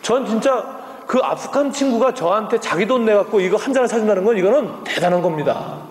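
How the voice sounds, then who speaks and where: A man's voice: high voice, expressive, brisk. A man in his fifties, a missionary preaching a sermon and telling humorous stories, acting out voices as he quotes people. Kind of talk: sermon with storytelling. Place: church sanctuary. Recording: echoey church hall.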